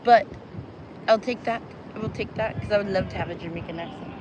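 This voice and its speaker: Wind roars across the phone audio as a woman from New Mexico streams live outdoors on the beach, greeting people and rambling cheerfully between tarot readings with frequent laughs. Her voice is mid-range and a little fast.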